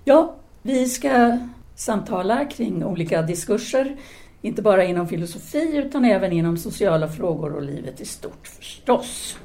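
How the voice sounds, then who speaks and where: An actress playing a self-possessed intellectual woman in an audio drama, formal and measured yet intimate and seductive. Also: medium pitch, animated, warm tone, lightly acted. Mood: ardent longing. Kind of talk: audio drama letter monologue and dialogue.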